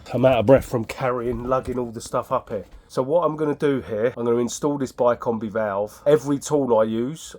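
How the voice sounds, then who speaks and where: Middle-aged heating engineer with a cold, blunt, ranty and sweary, filmed on a phone in a house loft. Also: male voice, medium pitch, a little mellow. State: has a cold. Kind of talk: casual work vlog. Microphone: phone camera.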